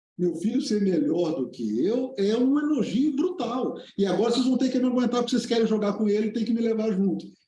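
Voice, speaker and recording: A man's extremely high voice, very even in loudness, with lively intonation, a fairly quick pace, hardly any pauses and audible room echo. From Brazil, Goiás. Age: 50s. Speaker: surgeon. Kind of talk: casual chat.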